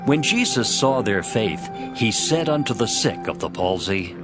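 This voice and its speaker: A man's voice: fairly low pitch, animated, unhurried. A man narrating a dramatized scripture reading from a script. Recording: music behind the voice.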